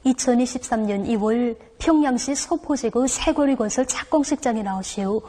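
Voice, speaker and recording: A woman's voice: on the high side, moderate pace, warm tone. A woman with a North Korean accent narrates a television news report in a formal, solemn and reverent style.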